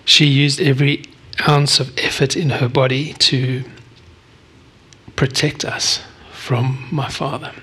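Earnest husky-voiced man in his fifties. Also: mid-range voice, flat delivery, pushed and bright. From South Africa. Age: 50s. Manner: earnest, vulnerable, often pausing. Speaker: preacher. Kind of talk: personal testimony sermon.

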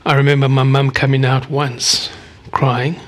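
A man in his fifties from South Africa, preaching a sermon and sharing a personal testimony in an earnest, vulnerable way with frequent pauses. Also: medium pitch, level tone. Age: 50s. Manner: earnest, vulnerable, often pausing.

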